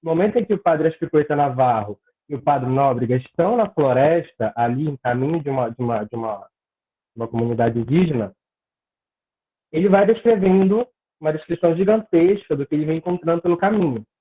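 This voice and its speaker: A man's voice: on the high side, expressive, a little fast, husky. A young man, a graduate student earnestly explaining his research on a video call and stumbling over words now and then. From Pará, Brazil. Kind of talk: academic discussion on a video call. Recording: tinny phone-like call audio.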